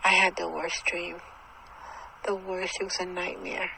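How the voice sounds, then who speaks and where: A frightened older mother, voiced by a woman telling a story, her cries climbing high and shrill, with a gravelly rasp beneath them. Background noise runs under the recording. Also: level tone, measured pace, pushed and bright, heavily acted, poor audio. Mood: shaken. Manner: panicked, high and shrill when scared.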